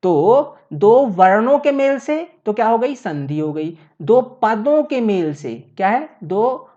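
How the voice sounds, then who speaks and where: A woman's voice: medium pitch, sing-song, a little slow, dark tone, muffled recording. A woman teaching a lesson at a board, explaining step by step and asking questions she then answers herself. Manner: repeats points, asks and answers her own questions. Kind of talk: classroom lecture at a board.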